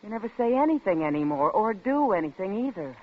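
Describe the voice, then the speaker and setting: An actress playing a bitter, nagging wife in an old radio drama, sarcastic and scolding, always discontented about money. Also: female voice, medium pitch, big pitch swings, quick pace, phone-quality sound. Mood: weary, bitter. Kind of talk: 1940s-50s radio drama acting.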